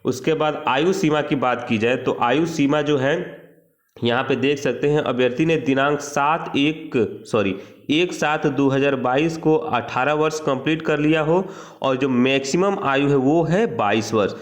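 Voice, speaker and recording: A man's voice: medium pitch, measured pace. A man giving an informal instructional walkthrough as a coaching teacher, reading out details and commenting, with frequent check-in tags. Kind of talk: informal explainer of a job notice, reading and commenting.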